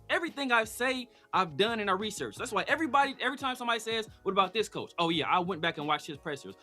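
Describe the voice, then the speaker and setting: A high-voiced man with a sharp, bright tone, hosting a casual sports talk show. He argues his points with emphasis and talks over his co-host. Faint music plays behind him. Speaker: podcast host.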